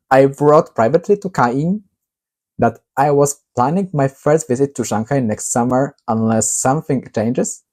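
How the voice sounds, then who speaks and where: Mellow man reading his novel. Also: mid-range voice. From Poland. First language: Polish. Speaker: author.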